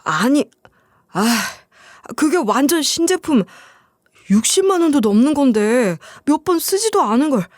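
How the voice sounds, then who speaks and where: A woman's voice: sits high, sing-song, unhurried, a little mellow, dry recording, studio quality. A woman voicing an irritated husband who runs an appliance store, asking scolding questions. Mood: exasperated.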